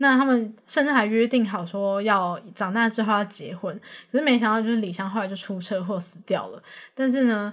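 A woman with a Taiwanese accent speaks at a fairly high pitch. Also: ordinary pitch variation, moderate pace, very clean recording, silent background. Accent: Taiwanese Mandarin. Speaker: podcaster. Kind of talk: casual monologue.

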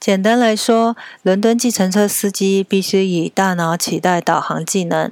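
A woman speaks at a medium pitch with fairly even intonation and a Taiwanese accent. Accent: Taiwanese Mandarin. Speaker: podcast host and travel lecturer. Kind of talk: scripted book review monologue.

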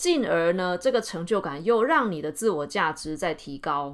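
A woman's normal speaking voice, fairly low in pitch, with lively intonation at a moderate pace, on a very clean recording with a silent background. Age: 30s. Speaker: podcast host and lifestyle coach. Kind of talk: solo podcast monologue.

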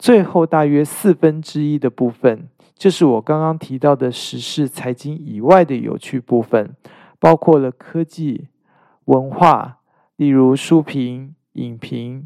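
An extremely unhurried delivery, captured on a spotless recording against total silence. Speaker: book podcast host. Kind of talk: solo podcast talk.

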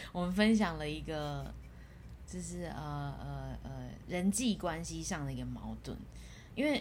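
This woman is soft-spoken, with a gentle tone. Her pace is very slow, broken by long, frequent pauses. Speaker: podcast co-host. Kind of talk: casual chat. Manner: soft, gentle tone.

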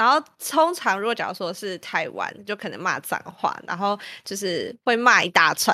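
A woman speaks in a bright, sharp, animated tone with lively intonation. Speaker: podcast host. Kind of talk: casual chat. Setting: online recording. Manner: animated, laughing often.

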